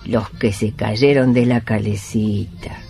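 An actress playing a bossy, earthy older neighbourhood healer with an Argentine accent in a radio play, coaxing and commanding. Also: female voice, very deep voice, fairly even intonation, takes it slowly, creaky, warm tone, heavily acted. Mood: indignant, tender. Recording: music playing behind the voice.

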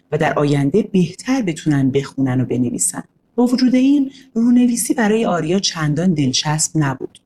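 A woman narrating a children's story in an expressive, gently paced reading voice. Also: on the low side.

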